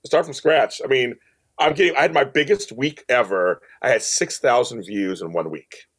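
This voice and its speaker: A man's voice: mid-range voice, moderate pace, husky, dry recording. A middle-aged man talking casually and animatedly as a talkative podcast guest who readily plugs his own work. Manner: animated, talkative, self-promoting. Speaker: podcast guest, online media network owner. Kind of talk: casual chat.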